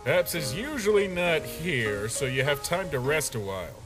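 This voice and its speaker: A man voicing a sly, teasing skeleton sentry monster with a gruff streak and smug pet names, in a comic dub. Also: on the high side, very animated, moderate pace. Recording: music playing behind.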